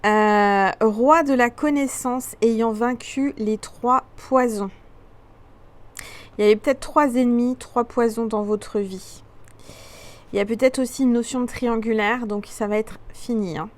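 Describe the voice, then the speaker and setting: A woman reading out oracle card texts to her viewers in a gentle, advising way, sometimes stumbling over words and correcting herself. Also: on the high side, fairly even intonation, a little slow. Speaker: tarot and oracle card reader. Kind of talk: reading card texts aloud with spontaneous commentary.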